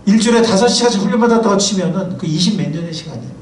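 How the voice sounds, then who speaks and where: Brief: male pastor, lively sermon voice with wide swings in pitch, questions to the pews, caught from afar with faint room ambience. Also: very fast, a little hiss or hum. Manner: asks the congregation questions; lively, chatty preaching with asides. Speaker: pastor and professor. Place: church sanctuary. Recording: roomy, distant mic, faint ambience.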